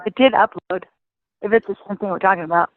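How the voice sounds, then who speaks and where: A woman's voice: mid-range voice, quick pace, dry recording. A woman taking part in a group conference call, hesitant and searching for words. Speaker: course participant. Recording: tinny dry phone line.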